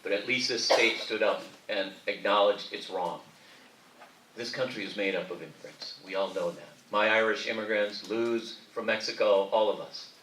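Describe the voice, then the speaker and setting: A man's voice: lowish voice, fairly even intonation, moderate pace, pushed and bright, slight background noise. A man answering emphatically as a candidate in a political debate. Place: debate hall. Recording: echoey hall from far off.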